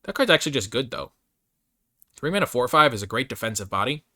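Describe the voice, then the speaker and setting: Animated, bright-voiced man reviewing game cards. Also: mid-range voice, quick pace, no room sound, studio quality. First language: English. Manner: opinionated, thinks aloud, hedging and revising his grades. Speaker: host reviewing trading card game cards. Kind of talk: casual off-the-cuff card review commentary.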